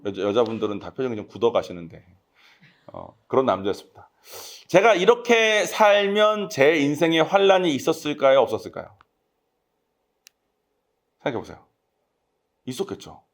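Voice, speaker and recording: A talkative man with a Gyeongsang accent, preaching a casual, conversational sermon and often checking in with his congregation. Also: mid-range voice. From Gyeongsang region, South Korea.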